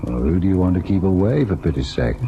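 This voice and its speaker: An actor playing a devoted, sorrowful husband in an old-time radio ghost drama, measured and tender in his delivery. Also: deep voice, lively intonation, highs cut off, a little hiss or hum. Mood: tender, teasing. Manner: measured, melancholy narration, tender and indulgent in dialogue. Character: devoted husband recalling a haunted, sorrowful tale.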